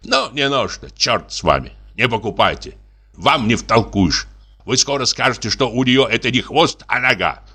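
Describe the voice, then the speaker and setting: A boastful army lieutenant of middle years, all bluster and wheedling charm, swooping up into excited highs, as a man reads him out. The voice has a bright, forceful edge. He hawks his beloved dog with theatrical outrage and flattery. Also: normal speed, slightly rough, exaggerated voice.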